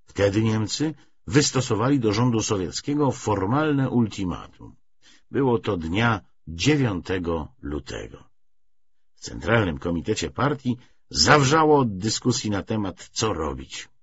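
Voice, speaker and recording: A man reading a historical novel aloud as an audiobook narrator, in an expressive, scripted literary style. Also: on the low side, a little slow, husky. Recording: dull, lo-fi audiobook recording.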